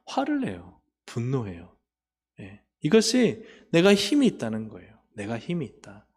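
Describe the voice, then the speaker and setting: A man preaching a sermon as pastor. He asks the congregation questions and answers them himself, and he moves between emphatic rises and quiet, low endings. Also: wildly swooping pitch, normal speed, breathy edge. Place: church sanctuary. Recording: long hall reverb.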